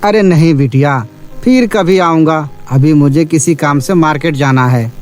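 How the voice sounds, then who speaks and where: Guy doing a friendly uncle landlord, reassuring, high for a man, cartoon story music behind. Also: measured pace, a little mellow, lightly acted. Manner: avuncular, reassuring. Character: kindly, easygoing uncle-like landlord.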